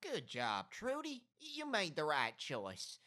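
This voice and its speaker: High, wildly swinging farmer dad played by a man. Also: wildly swooping pitch, slow pace, very noisy, heavily acted. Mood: offhand. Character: folksy, easygoing farmer father. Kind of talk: comedic audio drama acting.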